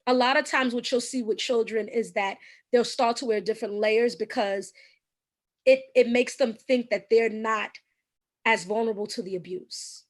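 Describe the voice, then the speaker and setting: A woman with a slightly raspy, higher-pitched voice talks as a guest in an interview. She explains things earnestly and patiently, pausing on frequent ums as she gives advice.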